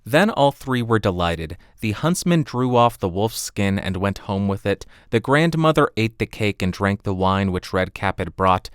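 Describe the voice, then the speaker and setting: A man reads a fairy tale as scripted audiobook narration. His mid-range voice moves with lively intonation, captured close and dry on a studio condenser. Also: fairly low pitch, normal speed, hardly any pauses, clear, resonant tone, no echo. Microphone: close studio condenser microphone.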